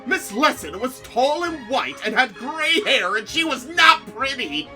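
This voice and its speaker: Female narrator for comedic story reading; expressive, theatrical, casual, with music playing behind. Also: high voice, unhurried. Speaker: narrator of a group fan fiction reading.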